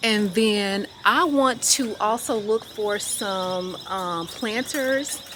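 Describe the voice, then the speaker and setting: Through noticeable background noise, a woman speaks at a medium pitch with ordinary pitch variation. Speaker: vlogger. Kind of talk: casual vlog talk. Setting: store with intercom announcements. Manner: animated.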